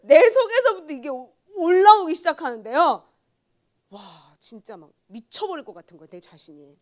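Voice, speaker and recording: A young woman junior pastor giving a sermon with a personal testimony, telling it with loud outbursts and hushed asides. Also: extremely high pitch, normal speed. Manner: animated storytelling, swings between loud outbursts and hushed asides.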